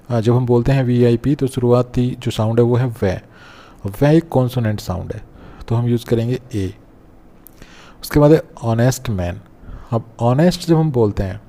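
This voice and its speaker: A man teaching an English grammar lesson step by step, often pausing to check that students follow. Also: medium pitch, warm tone. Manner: explains step by step, often checks with "theek hai na". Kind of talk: classroom-style grammar lesson.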